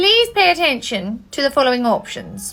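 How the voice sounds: A woman puts on a robotic character voice, high-pitched with very wide pitch swings, at a moderate pace over faint background music.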